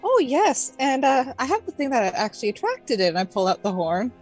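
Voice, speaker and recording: A woman's voice: sits high, very animated, fairly quick, darkish tone. A woman playing a tabletop role-playing game, improvising casually and playfully. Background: music.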